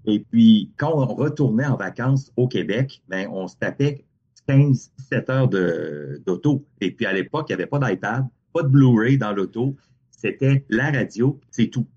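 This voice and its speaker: A man's voice: mid-range voice, a little slow, husky, dull audio. A man, a radio guest telling stories casually in a podcast chat. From Hearst, Ontario. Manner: relaxed storytelling, frequent restarts. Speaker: guest, radio music director.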